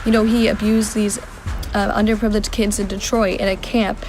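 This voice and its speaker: A woman's voice: mid-range voice, little pitch movement, fairly quick, darkish tone, soft background music. A woman earnestly testifying about her father's actions, speaking in short accusing bursts. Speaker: witness describing her father. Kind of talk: testimony in an interview.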